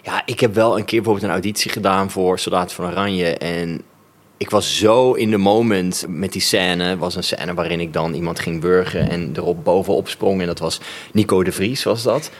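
Male actor guest with a lowish voice; easygoing, self-deprecating storyteller, quick to laugh. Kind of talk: casual conversational storytelling.

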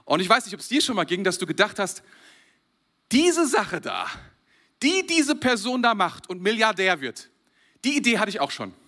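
German male preacher, high bright voice, animated sermon with frequent chuckles. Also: normal speed. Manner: animated, chuckles often between phrases. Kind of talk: lively sermon to a congregation.

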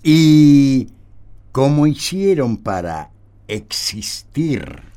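An actor playing a condescending, evasive company representative in a radio play, haughty and grudging in manner. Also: male voice, mid-range voice, very animated, drawn-out words, warm tone, heavily acted. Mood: skeptical, defensive. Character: condescending, evasive male gas company representative, begrudging and impatient. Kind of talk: Spanish-language radio theatre acting.

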